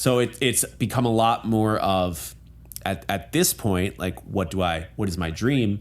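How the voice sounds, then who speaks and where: Against a silent background in a very clean recording, a man with a fairly low pitch and vocal fry speaks at a fairly slow pace with lively intonation. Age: 20s. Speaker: video production company founder. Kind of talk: casual interview chat. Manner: halting, frequent restarts.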